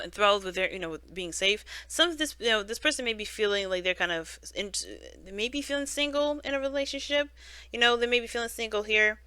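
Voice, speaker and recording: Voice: mid-range voice, pushed and bright, no room sound. A tarot reader giving a casual spoken reading, rambling along with frequent "you know" and "right?" and many restarts. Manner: self-correcting restarts.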